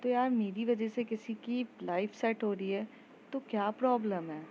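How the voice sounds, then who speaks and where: A woman's voice: a little high, normal speed, slight background noise, natural voice. Woman reading as an earnest schoolgirl, reflective, storybook voice, slightly dull recording. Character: earnest teenage girl, class topper.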